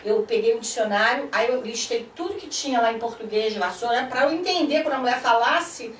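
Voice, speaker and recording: A woman's voice: a little high, a little fast. A middle-aged woman with a Brazilian accent casually telling a personal story in conversation. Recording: echoey room, distant mic, background noise.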